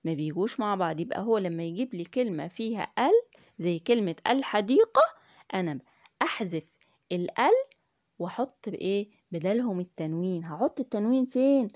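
A woman's voice: mid-range voice, lively intonation, fairly quick, darkish tone, dry recording, clean studio sound. A woman with an Egyptian Arabic accent teaching young children in a classroom lesson, repeating each point patiently, asking the class questions and praising answers. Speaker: primary school teacher.

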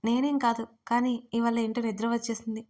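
A woman's voice: fairly high pitch, flat delivery, fairly quick, warm tone, lightly acted. A woman voicing a curious, sassy young woman. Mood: sleepy.

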